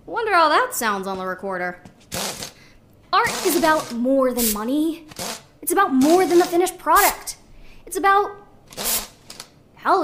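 A spirited young artist in a sci-fi audio drama. Her voice sits fairly high, and she muses in a playful, idealistic, conversational way over clear background noise with some clicking. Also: a bit bright. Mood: playfully passionate. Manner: musing, conversational. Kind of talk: audio drama monologue, naturalistic.

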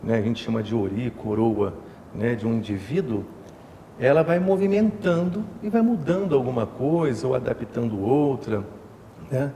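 A Carioca man in his forties talks through his beliefs in an indoor temple room, his voice gravelly and mellow. He is thoughtful, pausing on fillers and checking in with tag questions. The sound carries a long room echo and faint hiss. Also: medium pitch. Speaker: umbanda house leader, guest. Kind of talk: explanatory interview talk.

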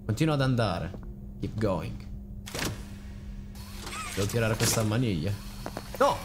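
Young man, low-voiced, swooping pitch. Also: lively intonation, takes it slowly, music in the background. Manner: rambling, joking, theatrical reactions. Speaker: gaming channel host. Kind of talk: casual let's play commentary.

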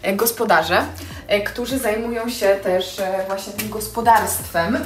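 A woman's voice: medium pitch, fairly even intonation, measured pace, faint music behind. A young adult woman giving a casual, enthusiastic house tour to camera as a vlogger. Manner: enthusiastic, effusive. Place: small stone house and outdoor terrace.

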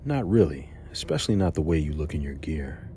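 A man's voice: rumbling low, sing-song, a little fast, dark tone, a little hiss or hum. A man playing a flirtatious, protective spy with a hot temper in an audio drama. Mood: flirty, teasing. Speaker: voice actor in a fan audio drama. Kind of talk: audio drama acting, intimate.

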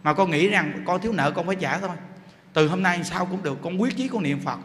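A man's voice: sits high, animated, a little fast, a bit bright, pitched below the performer's own voice. A man voicing a lonely middle-aged woman who pleads plaintively with her teacher. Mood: earnest. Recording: echoey hall, faint noise.

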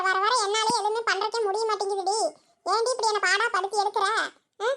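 A woman voicing a complaining old village mother-in-law in a cartoon, nagging and scolding her daughter-in-law. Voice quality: very high, bright cartoon voice. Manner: nagging, scolding, keeps calling the other "di". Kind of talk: village cartoon comedy acting.

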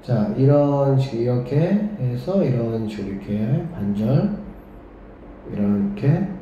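A man's voice: mid-range voice, expressive, unhurried, dark tone, a little hiss or hum. Guy teaching math at a whiteboard, keeps asking "right?", super echoey classroom, dull lo-fi sound. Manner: questioning, leads students with rhetorical checks; talks while drawing on the board, murmuring along. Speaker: academy director teaching math.

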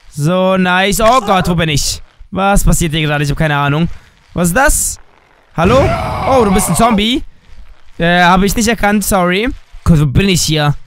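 A young man with a cold and a dry voice, giving energetic, jokey let's-play commentary as a gaming YouTuber. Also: high-pitched, noisy background. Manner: excitable, jokey, switches between shouts and drawn-out slow words.

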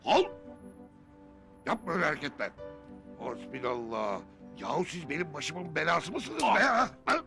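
A man's voice: a little high, very animated, moderate pace, long pauses. A middle-aged man playing a stern, old-fashioned father who scolds the boys in a sitcom. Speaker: Davut Usta, stern father and uncle. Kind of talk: TV sitcom acting. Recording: TV episode with music underneath.

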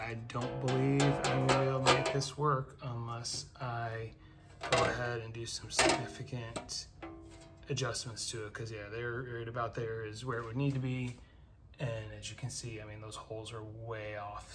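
A man's voice: mid-range voice, a bit bright. A man narrating his car build in a casual work vlog, matter-of-fact and full of ums and uhs, filmed on a phone in his garage. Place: home garage.

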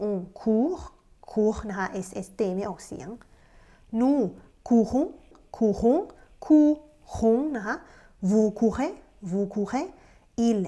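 A young woman teaching a language lesson, giving slow, careful model pronunciations between quick explanations. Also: medium pitch, darkish tone. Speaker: French teacher.

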